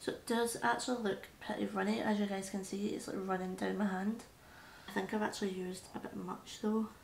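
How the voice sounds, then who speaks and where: Here a woman talks with a Scottish accent. Her pace is fairly quick. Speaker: beauty vlogger. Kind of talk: makeup tutorial. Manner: quieter than usual.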